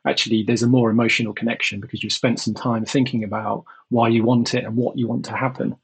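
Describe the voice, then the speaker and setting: A man speaking as a guest in a podcast interview, measured and repeating words as he thinks. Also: mid-range voice, level tone, creaky, slightly rough. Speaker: guest, insurance company executive.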